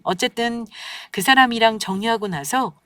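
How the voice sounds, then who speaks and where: A woman's voice: a little high, moderate pace, fairly bright tone, no room sound, distant mic. Young woman narrating a story, dry sound. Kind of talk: scripted first-person story narration.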